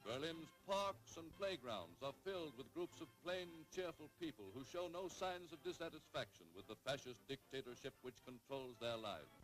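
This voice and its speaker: Old 1930s newsreel narrator, male, slightly high voice, dramatic and emphatic, faint music underneath. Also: very animated, fairly bright tone, rough recording. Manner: dramatic, emphatic announcing with measured pauses.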